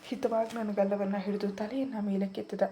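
A woman's voice: medium pitch, flat delivery, fairly quick, dark tone, slight background noise. A woman narrating a first-person romantic story at an emotional storytelling pace.

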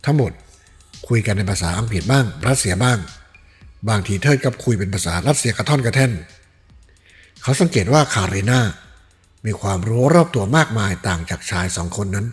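Male audiobook narrator, mid-pitched, measured storytelling, soft music underneath. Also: animated.

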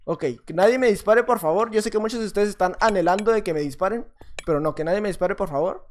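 Excitable Mexican gamer repeating himself. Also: male voice, high-pitched, fast. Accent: Mexican Spanish. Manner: excitable, repeats short phrases over and over, talks to himself. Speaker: gaming youtuber. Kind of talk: live gameplay commentary.

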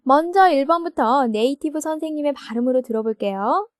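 A woman teaching English grammar in a recorded textbook lesson, explaining slowly and checking each point with her listeners. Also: high-pitched, lively intonation, loud music behind the voice. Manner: slow, explanatory, asks confirming questions.

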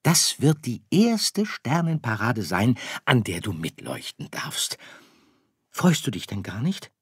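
A man voicing a caring, worried mother star who coaxes softly in an audiobook. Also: mid-range voice, big pitch swings, slow pace, slightly rough, dry recording, studio quality, voice pushed up, exaggerated voice. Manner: soft, coaxing. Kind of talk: audiobook character voice.

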